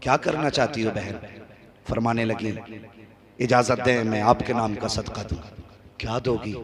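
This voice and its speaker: Long, frequent pauses and fairly even intonation. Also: man, medium pitch for a man. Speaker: Islamic preacher giving a sermon. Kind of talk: Islamic sermon (bayan) delivered to a live audience. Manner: emotional, emphatic, rhetorical, addressing crowd.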